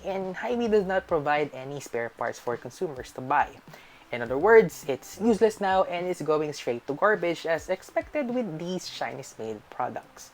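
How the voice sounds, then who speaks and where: Low-pitched, lively woman reviewing tech. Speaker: tech reviewer and channel host. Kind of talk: scripted product review narration.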